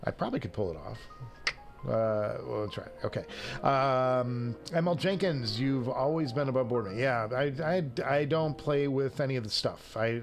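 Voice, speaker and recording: A man hosts a casual live show with music clearly behind him. His voice sits at an ordinary middle pitch, and he talks off the cuff to his viewers in a joking, self-deprecating way. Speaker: livestream show host. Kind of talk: casual chat answering viewers' live comments.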